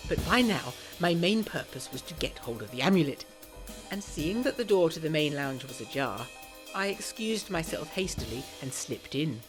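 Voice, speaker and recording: A woman's voice: sits low, animated, moderate pace, over music. A woman playing an eager, self-pleased 1920s lady narrating a gothic audio drama in genteel, bookish diction. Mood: brisk, confiding.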